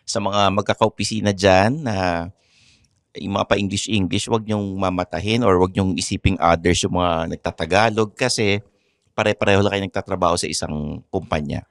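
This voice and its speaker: A man's voice: low voice, fairly even intonation, moderate pace, no echo, clean studio sound. A man with a Filipino accent co-hosting a podcast in casual chat, teasing and mimicking voices. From Philippines. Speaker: podcast co-host.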